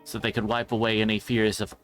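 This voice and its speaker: A man's voice: lowish voice, completely flat delivery, fairly quick, fairly bright tone. A man reading a visual novel's narration aloud on a livestream, now and then stumbling over a word. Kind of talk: scripted narration read aloud live. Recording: background music.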